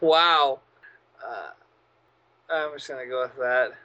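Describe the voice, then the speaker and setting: A man's voice: mid-range voice, slow, pushed and bright, muffled recording. A man co-hosting a casual podcast chat, sardonic and swearing freely. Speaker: podcast co-host.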